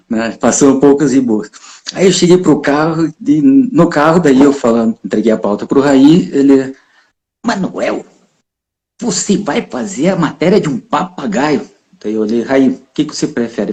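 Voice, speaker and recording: Mellow-voiced reporter storyteller. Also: male voice, medium pitch. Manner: lively, chuckles often, acts out other people's voices. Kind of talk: storytelling anecdote in an interview.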